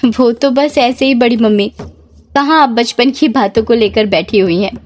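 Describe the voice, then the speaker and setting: Lady reading a polite shy young guy in a horror story, light high voice. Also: moderate pace, faint music behind, close to an everyday voice. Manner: polite, bashful. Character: young man, polite and cheerful.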